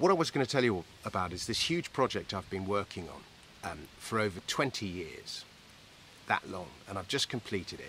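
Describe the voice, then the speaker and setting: At a moderate pace, a man speaks in a dry recording with no echo and light background noise. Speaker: comedian. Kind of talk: casual vlog chat. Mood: relaxed, cheerful. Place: boat. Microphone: phone near.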